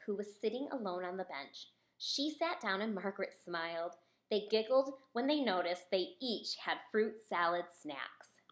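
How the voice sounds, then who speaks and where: A woman's voice: medium pitch, fairly bright tone. A woman reading a picture book aloud as its author, speaking expressively to young listeners. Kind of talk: storybook read-aloud to children.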